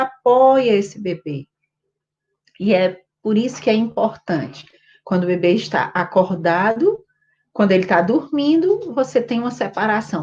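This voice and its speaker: An infant sleep educator, a woman with a darkish tone, gives parents a casual talk to camera about baby sleep. She hesitates a lot, leans on fillers, and keeps checking that her listeners are following along. When she soothes a baby her voice turns high and sing-song, and the lo-fi audio sounds dull.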